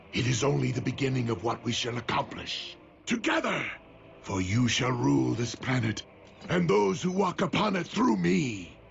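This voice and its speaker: A man performs a cartoonish character voice with very wide pitch swings and very even loudness. Clear background noise runs behind him. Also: medium pitch for a man, moderate pace. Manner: grandiose.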